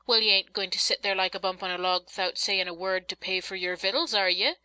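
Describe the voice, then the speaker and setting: A woman's voice: medium pitch, fairly quick, sharp tone, smooth, dry recording, lightly acted. A woman voicing a bossy, sarcastic but loving working-class mother who scolds and instructs in folksy rustic dialect, as in a storybook reading. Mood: bossy instructing.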